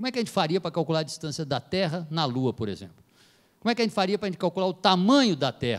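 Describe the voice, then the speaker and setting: A man speaks very fast in a high voice, his pitch swinging very widely over a quiet background. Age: 50s. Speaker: professor and government official; professor. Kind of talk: lecture. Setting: stage with audience. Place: hall.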